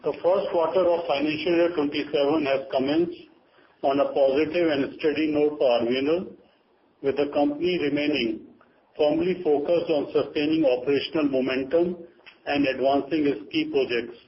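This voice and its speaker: An Indian man delivers prepared earnings remarks in a formal, scripted way. His voice sits a little high for a man. The sound is a dull, lo-fi conference call with faint noise. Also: moderate pace. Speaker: company chief giving earnings remarks. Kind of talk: formal prepared corporate statement read aloud.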